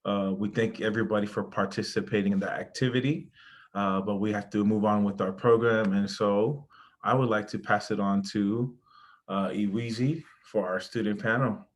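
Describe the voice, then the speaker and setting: A man with a somewhat low voice moves the program along at an event. He thanks everyone and hands over in a measured, formal manner. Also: fairly even intonation. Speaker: program host.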